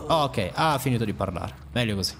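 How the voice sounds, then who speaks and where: A young man talks through a game as a let's play host, cursing and mocking the enemies on screen. His voice swings widely in pitch, jumping to high yelps when something surprises him. Game music plays clearly underneath. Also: brisk. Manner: excitable, swears and mocks enemies, jumps to high yelps. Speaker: gaming YouTuber.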